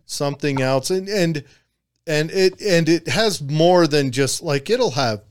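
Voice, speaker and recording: A man hosting a casual chat, hesitant and halting, reading out viewer comments. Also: fairly high pitch, expressive, clean tone. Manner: hesitant, many fillers and restarts. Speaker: host.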